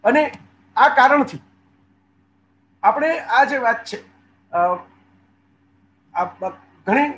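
A middle-aged man gives a motivational talk, telling an earnest story and quoting its people in their own voices. His voice sits high for a man. A faint hiss runs under the recording. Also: animated, very slow, pauses often, a bit bright, low-quality recording. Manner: addresses viewers directly. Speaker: motivational speaker.

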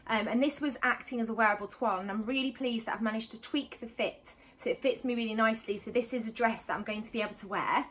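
A woman in her thirties talks through her sewing projects in a loose, rambling way, full of "um"s. Her voice sits a little high and carries a slight sore-throat roughness. She speaks to a camera at desk distance in a small home sewing room. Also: fast, few pauses, a bit bright. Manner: chatty, rambling, many "um"s. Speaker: sewing vlogger and teacher. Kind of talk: chatty sewing catch-up vlog.

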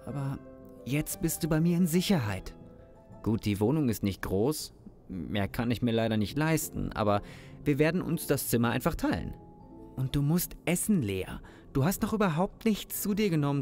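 A man's voice: medium pitch, darkish tone, close to an everyday voice. A man playing a timid, awkward accountant who speaks hesitantly in a German audio drama. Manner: hesitant, stammering. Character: timid, awkward loner male accountant doting on his snake.

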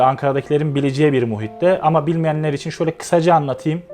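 A man's voice: fairly high pitch, a little mellow. A man hosting an interview, greeting viewers in a friendly, upbeat way and introducing his guest. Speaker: host.

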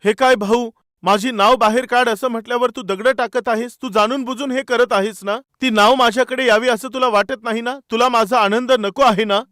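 A man's voice: extremely high pitch, fairly even intonation, normal speed, a bit bright, no room sound, clean studio sound. A man voicing a small boy who pleads tearfully with his older brother over a lost paper boat. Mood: accusing, tearful.

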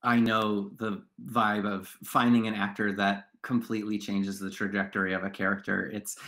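A man's voice: fairly low pitch, little pitch movement, normal speed, a bit bright. A man moderating a panel conversation on a video call in an affirming, enthusiastic manner. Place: indoor room on a video call.

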